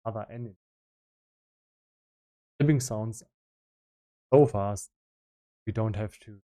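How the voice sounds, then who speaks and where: A man giving casual live-stream commentary as a game developer, explaining his work in halting fragments as he thinks aloud. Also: lowish voice, mellow.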